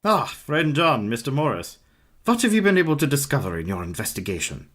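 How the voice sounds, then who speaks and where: An actor playing a learned vampire-hunting professor in a radio play, formal and lecturing. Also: male voice, medium pitch, big pitch swings, fairly quick, a bit bright. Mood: greeting. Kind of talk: community radio play acting.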